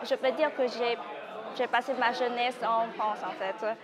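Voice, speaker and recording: A woman's voice: a little high, fairly even intonation, a little slow. A woman, a doctoral student, telling casual amused anecdotes. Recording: crowd chatter behind.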